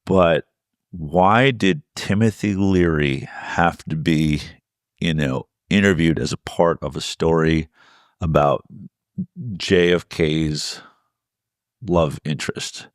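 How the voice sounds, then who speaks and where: A man in his fifties with a very deep, low voice hosts an interview. He talks easily and conversationally, with plenty of "um"s. The recording is close and dry. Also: takes it slowly, no echo. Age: 50s. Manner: relaxed, conversational, with frequent "um" fillers. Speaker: podcast host.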